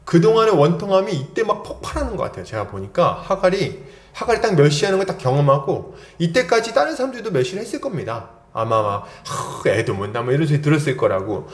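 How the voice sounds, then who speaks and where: A male pastor delivers a sermon with lots of drama, asking the congregation one question after another. His voice is fairly high and rises and falls a great deal. The sound rings around a roomy church sanctuary. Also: very animated, fast. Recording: roomy church hall echo.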